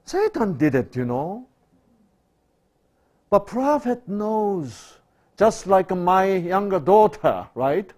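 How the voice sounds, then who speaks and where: Male preacher; slow, very lively pitch, quizzes the congregation. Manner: asks rhetorical questions and answers them; swings between loud emphatic bursts and quiet low asides. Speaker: pastor. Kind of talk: sermon.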